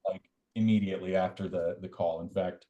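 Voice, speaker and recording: A man's voice: low voice, fairly even intonation, fairly quick, dark tone, highs cut off. A man giving a casual product demo, hesitant and full of fillers. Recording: echoey room.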